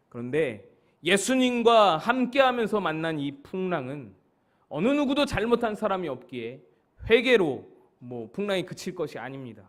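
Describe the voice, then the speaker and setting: A male pastor explaining scripture at a church Bible study, with a fairly high voice. His pitch swings widely as he presses key points, and he returns often to a patient, explanatory tone. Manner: explanatory, rising emphatically on key words.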